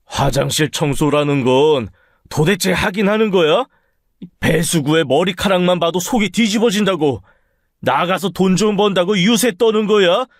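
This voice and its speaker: A man's voice: high-pitched, normal speed, dry recording, studio quality. A man playing a nagging, bad-tempered husband. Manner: harsh, nagging, rising to shouts. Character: irritable, sick middle-aged husband who scolds his wife. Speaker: voice actor in a story drama. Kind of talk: radio drama acting.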